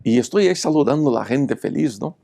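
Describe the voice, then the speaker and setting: A man's voice: medium pitch, lively intonation, fast talker, vocal fry, warm tone. A man, a pastor, teaching a Bible lesson and speaking directly to viewers through personal stories. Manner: confessional, direct address to viewers.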